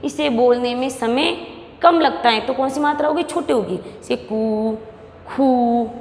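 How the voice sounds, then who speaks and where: A woman teaching a lesson to young pupils with a Rajasthani Hindi accent. She asks questions, answers them herself, and repeats each word slowly. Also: high voice, vocal fry. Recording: echoey room with long reverb.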